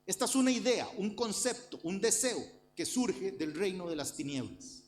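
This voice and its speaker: A man preaches with a fairly high voice, speaking straight to his congregation. He drives home each point by repeating phrases in earnest sermon fashion. A faint hum sits under the recording. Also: expressive, moderate pace. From Costa Rica. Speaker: pastor. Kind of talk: sermon, Bible study.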